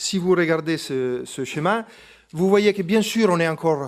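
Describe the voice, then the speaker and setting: With an Italian accent, a man speaks at a fairly slow pace with ordinary pitch variation. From Italy. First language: Italian (speaking French). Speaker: company executive. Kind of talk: corporate results presentation. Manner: hesitant, many filler sounds.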